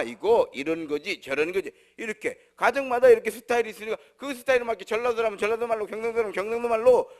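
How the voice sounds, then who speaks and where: A man preaching a sermon as pastor, moving between raised declarations and soft, low asides.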